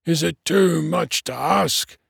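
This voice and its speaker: A man voicing an old male dwarf from a fantasy storybook, weak and croaking, irritable and full of self-pity. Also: a little high, slow pace, a bit bright, dry recording, studio quality, voice pushed up, heavily acted. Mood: weary, resigned. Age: older.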